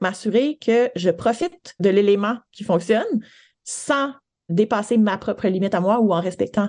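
A woman with a fairly high voice, lively intonation and a strong Quebec accent, her tone dark and mellow, over a quiet background. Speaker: entrepreneur and podcaster. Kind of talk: interview.

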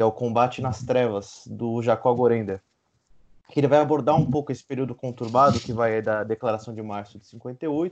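The man has an ordinary speaking voice, medium in pitch with ordinary pitch variation. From São Caetano, São Paulo region, Brazil. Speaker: podcast co-host. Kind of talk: casual chat, interview.

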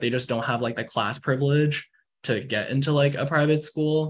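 Here is a man with a plain, everyday voice. His pitch is fairly high and his pace fairly quick. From United States, Chinese American. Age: young. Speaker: anonymous guest. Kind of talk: interview.

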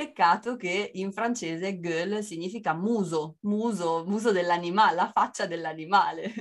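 Speaking in a normal speaking voice, a woman talks at a fairly slow pace with lively intonation. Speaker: Italian language teacher. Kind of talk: interview.

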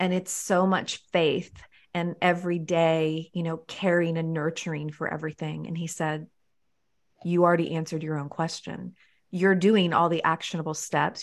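Monotone, flat intonation in a very clean recording with a silent background. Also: woman. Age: 30s. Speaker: realtor. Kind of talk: radio interview.

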